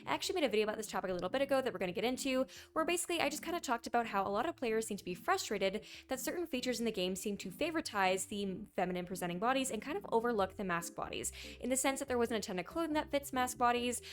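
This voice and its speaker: A young woman with a hoarse, raspy voice from a sore throat, chatting casually as a gaming news commentator and reading posts aloud. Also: on the high side, lively intonation, racing, few pauses.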